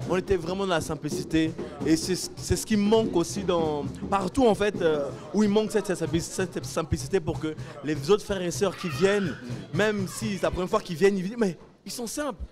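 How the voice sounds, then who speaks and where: A man with a slightly high voice speaks off the cuff about a church gathering. He hesitates often, filling gaps with small sounds, then lifts into eager bursts. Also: fairly quick, over music. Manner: hesitant, many fillers, grows animated. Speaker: church member interviewed. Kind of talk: spontaneous testimony.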